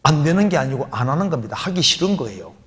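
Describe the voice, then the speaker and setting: Korean pastor preaching in a reverberant space. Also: male voice, fairly high pitch, sing-song, fast, fairly bright tone. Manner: asks rhetorical questions and quotes scripture. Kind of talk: sermon answering a question.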